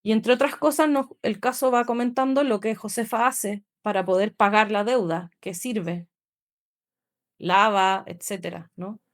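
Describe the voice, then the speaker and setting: A woman giving an academic lecture over a video call, pausing with fillers and tag questions. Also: mid-range voice, steady tone. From Chile. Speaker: guest lecturer.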